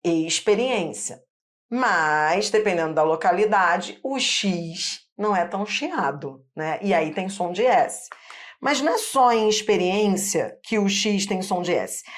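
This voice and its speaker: Slow patient Carioca woman teacher. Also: mid-range voice. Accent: Carioca Brazilian Portuguese. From Rio de Janeiro. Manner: slow, patient, explaining step by step with checks like "tá?". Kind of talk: online phonetics lesson at a board.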